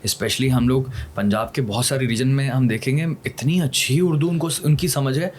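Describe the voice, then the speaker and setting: A man's voice: medium pitch, normal speed, slight background noise. A man hosting a podcast in a casual interview style, agreeable and mixing in English words. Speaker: podcast host.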